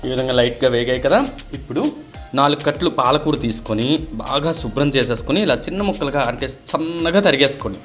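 A man narrating a cooking recipe step by step, addressing viewers directly in an instructional way. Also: mid-range voice. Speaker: host of a cooking channel.

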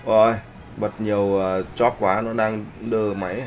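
An online art instructor teaches a live class, his voice on the low side with little pitch movement, a measured pace and a darkish tone. He keeps checking that students follow along and uses polite particles. The highs are cut off, and soft music plays in the background.

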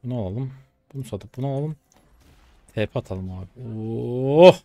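A man in his twenties streaming his gameplay, chatty and excitable, trash talking in slang and breaking into sudden high-pitched outbursts. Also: normal speed. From Turkey. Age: 20s. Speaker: game streamer. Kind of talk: live gameplay commentary.

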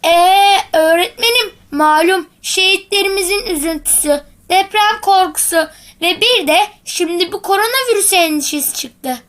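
A cheeky little schoolboy from a comic cartoon. The voice is extremely high and childlike. He sounds confident and witty, lecturing like a pious know-it-all with an answer for everything. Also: normal speed, few pauses, fairly bright tone. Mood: worried. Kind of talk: scripted comic cartoon dialogue.

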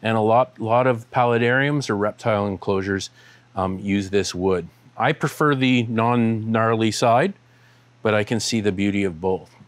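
Homem de voz grave em tour pela loja. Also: male voice, lowish voice, normal speed. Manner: relaxed, many "um" fillers, pointing at products as he walks. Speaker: shop owner giving a tour. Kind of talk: casual walking tour. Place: large aquarium shop showroom and warehouse, indoors.

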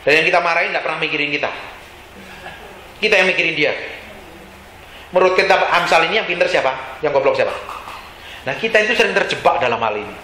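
A man pastor preaching a lively sermon in a casual, slangy way, often quizzing the congregation. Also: a little high, fast, long pauses, a little hiss or hum. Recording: echoey hall with faint ambience.

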